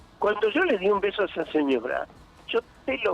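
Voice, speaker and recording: Music plays in the background while a man talks. His pitch is high, his intonation lively and his pace moderate. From Buenos Aires, Argentina. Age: 70s. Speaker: veterinarian. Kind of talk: interview. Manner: animated.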